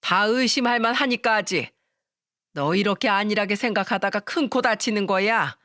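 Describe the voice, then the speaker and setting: A woman's voice: medium pitch, moderate pace, fairly bright tone, no echo, lightly acted. Storybook mother-in-law, harsh and suspicious, scolding tone, dry close read; a woman voices her. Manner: scolding, accusing.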